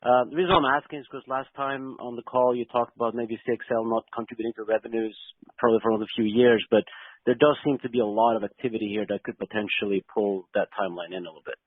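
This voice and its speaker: A man's voice: medium pitch, steady tone, fast, husky, dry recording. A man, a financial analyst, politely and somewhat hesitantly putting questions on an earnings call. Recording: dry, narrow phone line.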